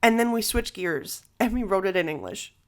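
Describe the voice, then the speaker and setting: A woman hosting a casual podcast conversation, expressive and exclamatory, slipping Spanish phrases into her English. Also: medium pitch, moderate pace. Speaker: podcast host and comedy writer.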